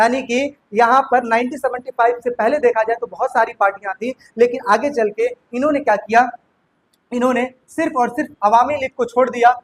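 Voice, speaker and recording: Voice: mid-range voice, low-quality recording. A teacher giving a spoken history lesson, posing rhetorical questions, answering them right away and repeating key points. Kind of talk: classroom lecture explaining history.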